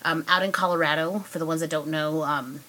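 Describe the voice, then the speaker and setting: A woman's voice: sits low, fairly even intonation, a little fast, sharp tone, a little hiss or hum, poor audio. A woman hosting her own podcast, talking casually with many fillers while congested from a cold. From United States. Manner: chatty, rambling with many fillers. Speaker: podcast host. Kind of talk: casual solo podcast monologue.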